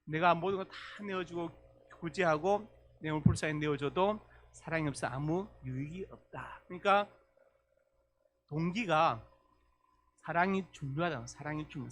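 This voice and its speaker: A male pastor delivers a Sunday sermon in a church, his voice sitting a little high for a man. He tells stories animatedly and slips into the voices of the people he quotes. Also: normal speed, a bit bright, slight background noise. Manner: storytelling, acting out quoted dialogue with rising emotion. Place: church sanctuary.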